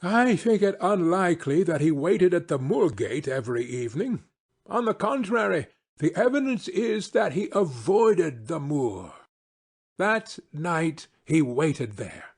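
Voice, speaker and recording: A man's voice: a little high, breathy edge, full character voice. A man reading an audiobook as a keen, analytical detective, courteous, with a precise, questioning delivery.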